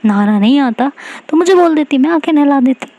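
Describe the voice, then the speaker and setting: A woman voicing a protective young woman who scolds her partner in a spoken love story, quick and raised. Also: high voice, animated, noisy background, voice pushed up. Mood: scolding.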